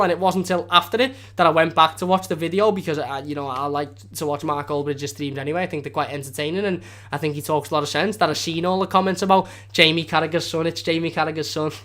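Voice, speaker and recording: A man's voice: a little high, fairly even intonation, fast, hardly any pauses, a bit bright. A young man with a strong Scouse accent, hosting a fan channel live stream in casual, rambling chat with frequent restarts. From Liverpool area of England.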